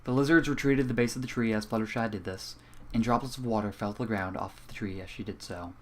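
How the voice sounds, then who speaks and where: A young man reading a fan story aloud in a calm, even way at a home microphone. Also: lowish voice, fast talker, slight background noise. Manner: casual and profane in the intro, then calm and even while reading. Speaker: fanfiction reader. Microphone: home computer microphone.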